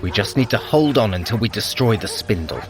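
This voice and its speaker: A man's voice: on the low side, expressive, fairly quick, natural voice. An actor playing a sly, haughty trickster god in an audio drama, sardonic, smug and theatrical as he bickers with his brother. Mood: satisfied. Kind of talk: scripted audio drama acting.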